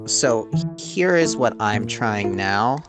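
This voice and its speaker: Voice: mid-range voice, lively intonation, slow, loud music behind the voice. A tabletop game player chatting casually and thinking aloud in a hesitant, puzzling way.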